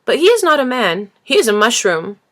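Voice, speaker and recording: A woman's voice: fairly high pitch, very animated, fairly quick, a bit bright, voice pushed up. A woman voicing an earnest, passionate little boy prince in a storybook reading, speaking insistently and emphatically. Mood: angry, scornful. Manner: insistent, emphatic, rhetorical questioning. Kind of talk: storybook character voice in audiobook reading.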